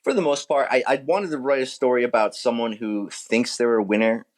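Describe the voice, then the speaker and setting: A man's voice: mid-range voice, fairly quick. An American man, an author being interviewed, explaining things informally in casual chat. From United States.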